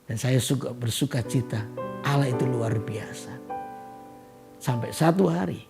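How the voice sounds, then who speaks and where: A man preaching a sermon as a pastor, telling a story with lively swings between loud emphasis and soft murmurs. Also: medium pitch, measured pace, creaky. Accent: Indonesian. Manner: animated storytelling, drops to soft murmurs when quoting. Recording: guitar music behind.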